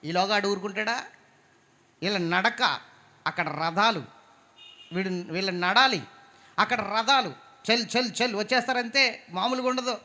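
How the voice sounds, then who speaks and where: A pastor preaching a sermon, fervent, swinging from quiet storytelling to loud exclamations and calls for praise. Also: male voice, high-pitched, normal speed, pauses often.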